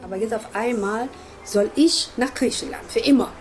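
An older woman from Germany recounts her memories in a conversational interview, speaking at normal speed in a slightly high voice with music in the background. She acts out the voices of people she quotes and tags her sentences with little questions.

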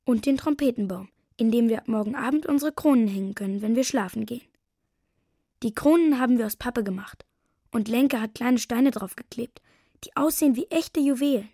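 Woman reading as a lively boy of almost eight, breathy, higher voice, dry close sound. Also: fairly quick, no room sound. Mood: cheerful. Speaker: narrator. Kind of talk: first-person storybook narration.

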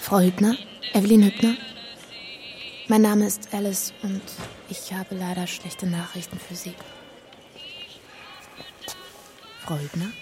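An actress playing a controlled woman who brings bad news, speaking in a measured radio drama style. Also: mid-range voice, flat delivery, over music, natural voice. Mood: insistent. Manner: measured, deliberate delivery. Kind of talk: radio drama acting with inner narration.

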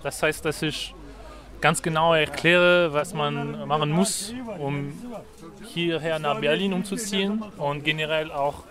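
A man with a French accent and French as his native language explains things in an interview. His voice is fairly high and very slow, with hesitant pauses between short phrases. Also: steady tone, crowd noise. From France.

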